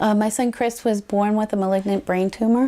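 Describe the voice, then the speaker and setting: A soft-spoken woman talks at a moderate pace, her tone dark and mellow. Her intonation stays fairly even. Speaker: school volunteer with therapy dog. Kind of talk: interview.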